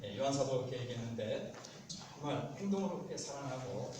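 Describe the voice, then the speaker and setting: A man's voice: mid-range voice, expressive, quick pace, noisy background. A man preaching a sermon as a pastor, telling folksy stories and acting out what spouses say to each other. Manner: folksy storytelling, acts out spouses' voices. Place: church sanctuary. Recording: echoey church sanctuary, distant mic.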